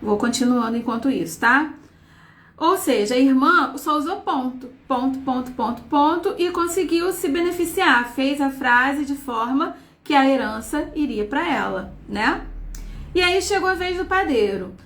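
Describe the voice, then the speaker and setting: A high-voiced woman teacher in a live online class, explaining patiently and reading sentences aloud with marked intonation. She keeps checking in with her students. The recording has a noticeable roomy echo. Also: lively intonation, normal speed, fairly bright tone. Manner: often checks in with "tá?" and "né?".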